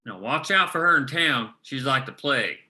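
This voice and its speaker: A man playing a gruff, world-weary, foul-mouthed veteran coal miner in a screenplay table read, with a sardonic, folksy delivery. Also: mid-range voice, animated, moderate pace, bright, forceful tone. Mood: wry gossip.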